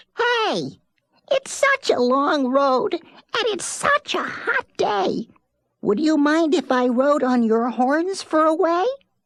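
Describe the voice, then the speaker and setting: A put-on character voice speaks very slowly. Its pitch is high. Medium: read story.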